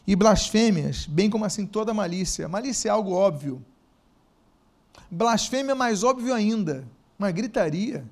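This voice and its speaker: A man preaching a sermon in lively style, asking the congregation questions and slowing down for emphasis. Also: high voice. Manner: animated, with loud bursts and slowed emphasis.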